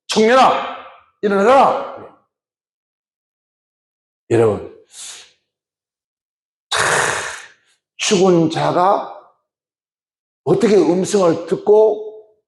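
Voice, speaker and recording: A man's voice: high-pitched, darkish tone. A male pastor preaching a sermon, often questioning the congregation. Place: church. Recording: echoey church hall.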